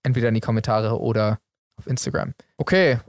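A young man co-hosting a casual chat, relaxed and joking as he explains a game. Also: mid-range voice, a little fast, no echo, studio quality. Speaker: podcast co-host.

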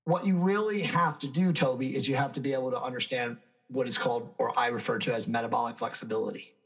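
A man's voice: mid-range voice, fairly even intonation, fast talker, fairly bright tone, poor audio. Self-assured man in his fifties. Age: 50s. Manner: emphatic, self-assured, lecturing. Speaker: fitness expert guest. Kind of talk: conversational interview answers.

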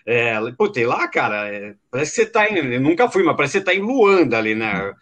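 A man's voice: mid-range voice, sing-song, fast, a bit bright. A man from Brazil, hosting a podcast in a rambling, casual way full of fillers and slang. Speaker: podcast host.

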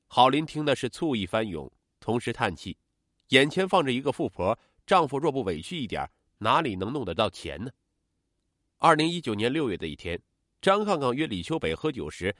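A man narrating a true-crime case as a scripted story, in a steady, dramatic storytelling manner. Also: mid-range voice, dry recording, studio quality.

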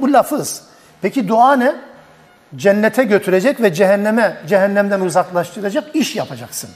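Brief: male teacher, higher voice, emphatic sermon-style tafsir, reverberant hall. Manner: emphatic, asks and answers own rhetorical questions. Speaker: Quran commentary teacher. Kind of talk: Islamic tafsir lecture.

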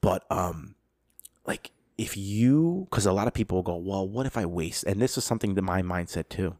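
A man's voice: sits low, normal speed, dry recording, studio quality. A thirty-year-old man chatting casually as a podcast co-host, talking emphatically with slangy, sweary, bro-style phrasing. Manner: animated, emphatic, swears freely, says "bro" and "dude". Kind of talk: casual chat.

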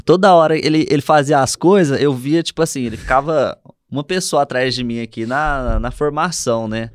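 A male guest in a casual chat, telling stories in a relaxed, rambling way. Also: mid-range voice, brisk, dry recording.

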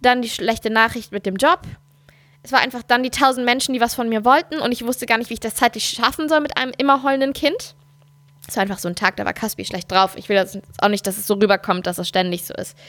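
A woman's voice: a little high, a bit bright, no room sound. A woman in her thirties chatting casually as a podcast co-host, telling stories candidly and animatedly. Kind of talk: casual chat.

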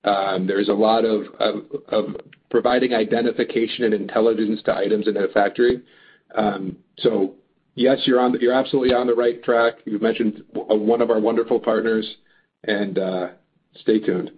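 A man answering as a company executive on an earnings call, halting but upbeat and emphatic. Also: fairly low pitch, fairly even intonation. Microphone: phone or conference call line. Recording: muffled narrow phone line.

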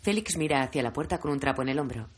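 An audio describer reading short scene notes in a flat, quiet, factual manner. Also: medium pitch, fast talker, breathy edge.

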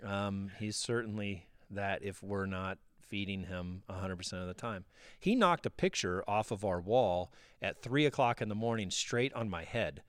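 A man's voice: lowish voice, normal speed, clean tone, no echo, clean studio sound. A middle-aged man co-hosting a podcast in casual chat, rambling with lots of fillers and restarts. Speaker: podcast co-host.

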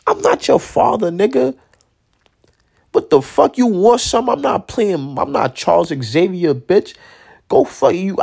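A young man venting in a profane, mocking rant as a vlogger, voice leaping high when exasperated and full of slang. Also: creaky, darkish tone. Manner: slang-heavy, repetitive.

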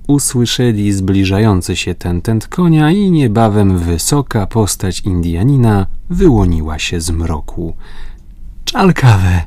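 A man reading a classic adventure novel aloud in measured, even audiobook narration. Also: low voice, no room sound. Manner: measured, even storytelling with lifted voice for exclamations. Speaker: audiobook reader.

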